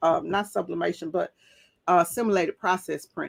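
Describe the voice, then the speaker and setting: A woman talks with an American accent at a fairly quick pace. Her intonation is lively. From Texas. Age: 50s. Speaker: screen printing business owner and instructor. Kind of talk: interview conversation.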